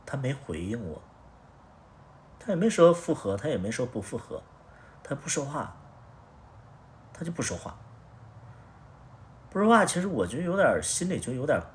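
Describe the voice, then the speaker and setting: A young man with a medium-pitched voice hosts a casual livestream, telling a story in a blunt, rambling way and swearing often. There is a little hiss or hum in the audio.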